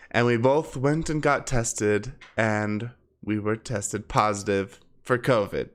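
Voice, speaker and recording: Slow-paced, slightly congested male streamer. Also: mid-range voice, clear, resonant tone. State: sick with a cold. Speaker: live game streamer. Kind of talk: casual chat to stream viewers.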